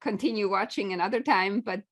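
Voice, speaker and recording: A woman with a Swiss German accent hosting an interview, friendly and often laughing, a little halting. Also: medium pitch. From Switzerland. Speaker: podcast host. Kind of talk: casual interview chat.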